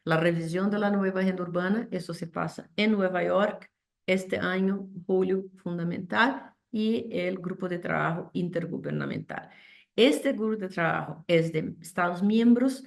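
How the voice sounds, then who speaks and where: A woman with a low, gravelly voice presents to an online panel over a video call. Spanish is not her first language, and she talks haltingly, full of fillers, restarts and slipped-in English terms. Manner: hesitant, many fillers and restarts, code-switches English terms. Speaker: panel speaker.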